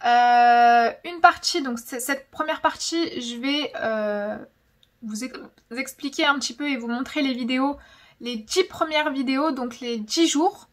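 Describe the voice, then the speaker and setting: High-pitched young woman, chatty and dramatic. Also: unhurried. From francophone, of Algerian descent. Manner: chatty, dramatic, emphatic, repeats words for effect. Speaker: YouTube host. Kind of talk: casual storytelling vlog.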